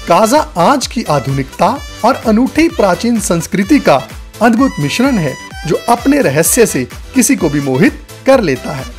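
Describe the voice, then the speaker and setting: A man narrating a travel guide as a scripted voice-over, speaking to viewers as friends. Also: high voice. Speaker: travel vlogger. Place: voice-over, not recorded on location. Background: faint background music.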